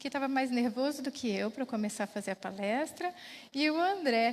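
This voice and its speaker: A woman with an Espírito Santo accent talks at a moderate pace, her pitch moving in an ordinary way. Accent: Espírito Santo (capixaba). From Espírito Santo, Brazil. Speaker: physician giving a spiritist talk. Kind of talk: lecture. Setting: spiritist center hall with audience, streamed on Facebook.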